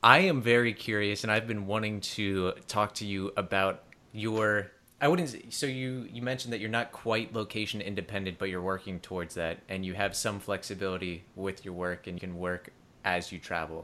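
The tone is bright and sharp, delivered at a moderate pace with fairly even intonation. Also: man, fairly low pitch for a man, quiet background. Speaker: podcast host. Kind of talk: casual chat.

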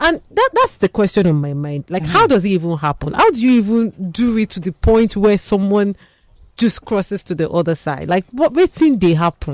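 With a Nigerian accent, a woman talks at a moderate pace and a medium pitch. Her pitch swings very widely. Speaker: stand-in radio co-host. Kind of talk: news reading. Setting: radio studio.

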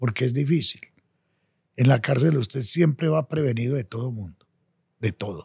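A somewhat breathy voice with long, frequent pauses, recorded dry and close with no echo. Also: man, medium pitch for a man, ordinary pitch variation, moderate pace. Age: 60s. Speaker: former prisoner, cargo transporter. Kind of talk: testimony in interview.

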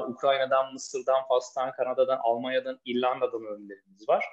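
A man talks in a plain, everyday voice at a medium pitch. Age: 20s. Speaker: startup co-founder. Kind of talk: casual interview.

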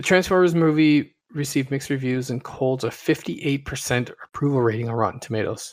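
A man speaks at a moderate pace, his pitch fairly high with ordinary variation. He has an unremarkable speaking voice, and the recording is very clean with a silent background. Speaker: podcast host. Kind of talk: casual chat.

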